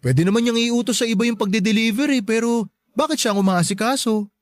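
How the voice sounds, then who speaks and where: An actor playing a sassy, campy gay best friend in a Tagalog radio drama, teasing and bluntly caring, drawing out emphatic words. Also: male voice, extremely high pitch, fast talker, no echo, studio quality. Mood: blunt, encouraging.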